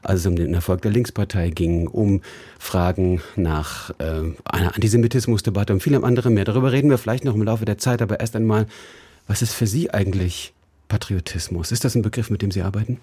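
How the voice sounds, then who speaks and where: A man hosting a radio call-in talk show from a studio, announcing in a measured way with an occasional filler. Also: lowish voice, mellow, slightly rough, no room sound. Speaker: radio host. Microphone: studio microphone.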